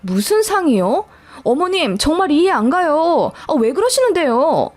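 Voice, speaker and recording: A woman voicing her own younger self as an indignant young wife, sharp and raised above her narrating voice. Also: high-pitched, big pitch swings, measured pace, voice pushed up. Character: indignant young married woman confronting her mother-in-law.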